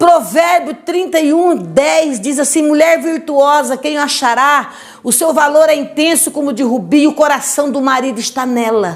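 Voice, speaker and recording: A woman talks at a moderate pace with lively intonation. Music plays in the background. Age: 70s. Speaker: ex-witch evangelical preacher. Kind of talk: testimony. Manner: animated.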